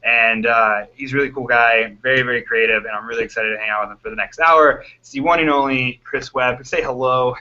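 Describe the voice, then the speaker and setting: Man, casual video chat host, bright tense tone, dull lo-fi sound. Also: medium pitch, a little fast, hardly any pauses. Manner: chatty, laughs easily. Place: hotel room. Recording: lo-fi web call audio.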